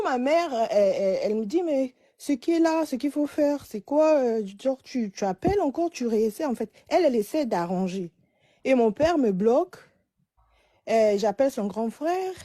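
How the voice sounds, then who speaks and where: A woman's voice: a little high, expressive, normal speed, mellow. A woman in her late twenties calling in for advice, telling her story hesitantly with many restarts. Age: late 20s. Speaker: caller. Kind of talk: phone-in advice call.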